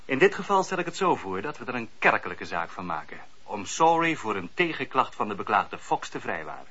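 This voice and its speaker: An actor playing a courteous, calculating magistrate of olden times in a radio drama, speaking in formal, courtly phrases. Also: male voice, lowish voice, sing-song, brisk, pushed and bright, husky, exaggerated voice. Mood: scheming. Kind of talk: period radio drama acting. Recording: dull, muffled old radio recording.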